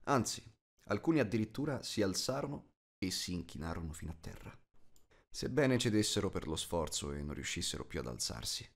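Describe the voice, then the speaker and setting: A man narrating a fantasy storybook as a scripted audiobook reading. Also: deep voice.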